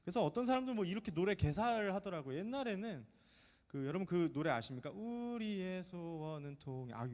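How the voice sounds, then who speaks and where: A man in his thirties preaches to a middle-school youth group, his voice sitting a little high. He talks in a chatty, joking way and keeps asking the teenagers questions. His words ring with the long reverb of a church sanctuary. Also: lively intonation, quick pace, a little mellow. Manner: chatty, jokey, often asks the congregation questions. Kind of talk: lively sermon to teenagers.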